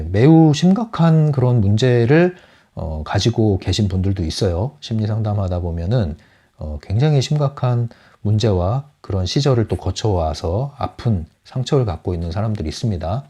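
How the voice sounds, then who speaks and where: A man's voice: lowish voice, sing-song, moderate pace, warm tone, breathy edge. A man giving a lecture on a book as a psychology counselor, often asking his audience rhetorical questions. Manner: asks the audience rhetorical questions, acts out quotes.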